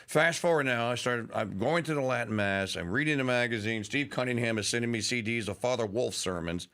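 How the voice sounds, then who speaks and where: Man, radio host, bright tone, emotional, casual on-air chat. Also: medium pitch, a little fast. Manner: emotional, laughing, rambling. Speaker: radio talk show host.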